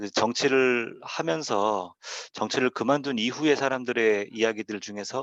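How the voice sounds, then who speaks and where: Soft-spoken and medium in pitch, a man talks at a fairly slow pace against a quiet background. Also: ordinary pitch variation. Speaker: local politician. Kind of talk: audience question at online talk.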